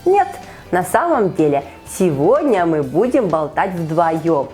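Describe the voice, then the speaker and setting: A woman teacher hosts an online chat with a student. She speaks slowly and deliberately, and her pitch rises and falls in a very lively way. Faint music plays underneath. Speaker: Russian teacher and podcast host. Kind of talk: conversational interview with a learner. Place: online call.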